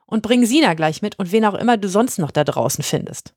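A woman's voice: medium pitch, lively intonation, fairly quick, darkish tone, no echo, clean studio sound, lightly acted. A woman voicing an impatient, stern female headmistress who barks short commands. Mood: commanding.

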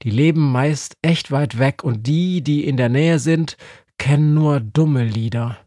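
A man's voice: a little high, a little slow, mellow, no room sound, studio quality, pitched above the performer's own voice. A man voicing a grumpy, stubborn old female Christmas witch. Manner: cranky, stubborn.

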